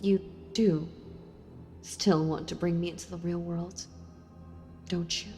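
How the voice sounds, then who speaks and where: A woman playing a sealed-away female villain in an audio role-play, speaking to the listener tenderly, intimately and with hesitant pauses. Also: fairly low pitch, fairly even intonation, dark tone. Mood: tender, earnest. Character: sealed-away female villain, wistful, softly seductive and enthralled. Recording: long reverb with music behind. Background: music.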